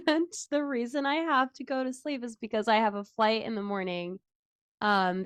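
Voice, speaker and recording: A woman's voice: mid-range voice, clear, resonant tone, no echo. Stuffy-nosed woman podcast host, dry sound. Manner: chatty, laughs often, filler-heavy. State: stuffy and nasal from a cold; tired. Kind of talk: casual chat.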